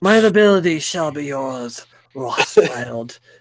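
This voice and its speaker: In a put-on character voice, the speaker uses a low-to-middle pitch and a fairly slow pace. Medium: actual play. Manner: lofty, cryptic, condescending.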